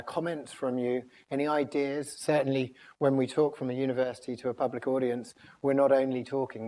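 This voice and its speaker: A man's voice: mid-range voice, a little mellow. A scientist with an English accent giving a public lecture while losing his voice, talking in a loose, conversational way with many ums and restarts. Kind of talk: public talk. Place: lecture room.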